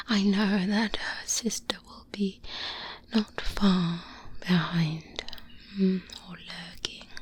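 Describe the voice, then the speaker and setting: A woman playing a calm, cautious, seasoned vampire hunter mentoring a trainee, speaking softly and breathily with murmured pauses in an ASMR roleplay. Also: medium pitch, natural voice, rough recording. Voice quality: soft, breathy whispering. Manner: slow, hesitant, murmured pauses and hums. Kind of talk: soft-spoken ASMR roleplay. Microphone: close binaural microphone. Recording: close-up binaural with clear background noise.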